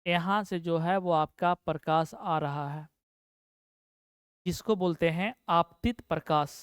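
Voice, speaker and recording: A man teaches physics for a board exam. He keeps throwing questions at his students and answering them himself, and slows down to repeat terms for notes. His voice is smooth and clear, recorded dry and close. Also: on the high side, dry recording. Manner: asks the class a question, then answers it himself; repeats key terms slowly for dictation. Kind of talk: exam-prep physics lesson.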